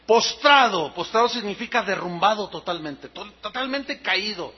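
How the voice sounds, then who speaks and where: A man with a Mexican accent preaching a sermon, animated, explaining the meaning of words and acting out scenes. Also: high voice, measured pace, slightly rough. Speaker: pastor. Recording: dull lo-fi sermon recording.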